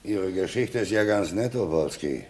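A man's voice: low-pitched, animated, moderate pace, a little mellow. An actor playing a stern male prison warden who speaks in a dry, clipped, impatient way in a radio play.

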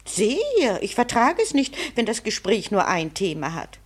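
A woman's voice: medium pitch, huge pitch swings, unhurried, slightly rough, exaggerated voice. An actress playing a nervous, fussy English society lady who speaks in a fretful way, in an old film drama.

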